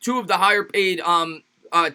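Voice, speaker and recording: A man with a high-pitched, ringing voice runs a casual livestream, thanking fans and hyping them up. His voice is a bit raspy and worn from a lot of streaming. He sounds loose and energetic, talking into a home mic. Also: normal speed. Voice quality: slightly raspy. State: tired. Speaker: sports YouTube host reading super chats.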